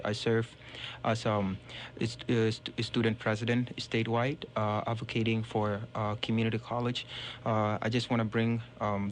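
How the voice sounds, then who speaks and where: Young man, low flat voice, hesitant radio candidate with faint noise behind. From Ethiopia. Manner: halting, many fillers. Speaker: city council candidate.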